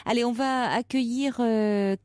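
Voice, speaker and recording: Gentle woman radio host. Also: fairly high pitch, fairly even intonation, measured pace, smooth, no room sound, clean studio sound. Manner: soft, reassuring, many hesitations. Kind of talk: late-night call-in advice talk.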